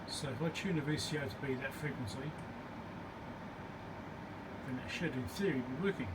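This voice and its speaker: A man giving a hands-on electronics repair demonstration, thinking aloud in an informal, halting, step-by-step way. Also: medium pitch. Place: indoor repair workbench. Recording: steady background hum and room noise.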